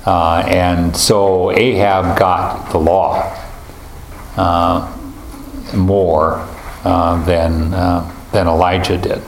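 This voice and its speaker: A man leads a Bible study discussion in an echoey room, his voice sitting on the lower side. He talks in a halting, thoughtful way, full of restarts and fillers, and a faint background hum sits under him. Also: flat delivery, vocal fry. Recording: roomy echo, faint ambience.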